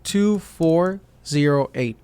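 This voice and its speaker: A man's voice: fairly high pitch, slow pace, warm tone, smooth. A man voicing a citizenship applicant who gives short, plain, careful answers to an officer in a scripted practice dialogue.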